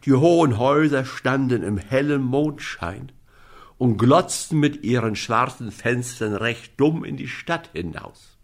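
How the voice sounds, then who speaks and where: A male storyteller reading a fairy tale aloud. He takes his time, and his lively voice rises and falls with the story. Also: mid-range voice. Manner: expressive, slow storybook narration.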